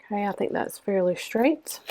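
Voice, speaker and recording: A young woman with a hoarse, stuffed-up voice chatting casually through a planner-decorating vlog. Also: mid-range voice, lively intonation, noisy background. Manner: chatty, lots of ums, unhurried. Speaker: planner vlogger. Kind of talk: casual plan-with-me narration.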